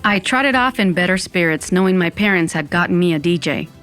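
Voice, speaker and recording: A woman's voice: on the low side, lively intonation, brisk, a bit bright, faint music behind. A woman playing a wry Latina narrator who tells her own story in an audio fiction podcast. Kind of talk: scripted first-person narration.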